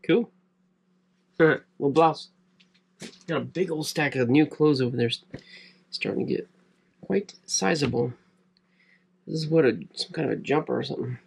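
In a cluttered room, a man in his thirties sorts clothes from a storage locker while chatting casually to camera, giving unboxing commentary. His voice sits in the mid-range, creaky with a breathy edge.

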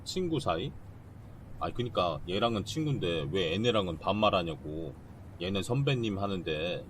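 A male game streamer chatting casually, reading dialogue aloud and reacting quickly while bantering with viewers. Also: low voice, expressive, slight background noise.

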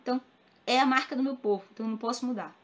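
A woman with a Ceará accent from northeastern Brazil speaks straight to her viewers as a crochet vlogger. Her voice sits a little high, and she talks earnestly and emphatically, circling back to repeat her points. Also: very fast. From Cariri region of Ceará, northeastern Brazil. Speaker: crochet YouTuber. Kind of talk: casual talk to the camera.

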